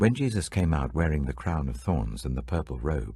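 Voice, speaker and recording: Speaking at a moderate pace with an English accent, a man uses a very deep, low pitch with very wide pitch swings and vocal fry over a quiet background. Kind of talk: Bible reading.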